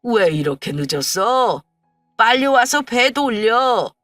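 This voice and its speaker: A woman voicing a hot-tempered older husband who is gruff but caring and barks blunt short lines. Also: fairly high pitch, very animated, slow pace, a bit bright, no echo, voice pushed up, heavily acted. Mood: impatient. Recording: dry, slightly distant, faint music.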